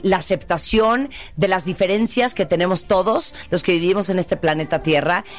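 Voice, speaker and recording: A Mexican woman hosting a radio show in lively, exclamatory chat, cheering her guests on. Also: medium pitch. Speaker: radio host.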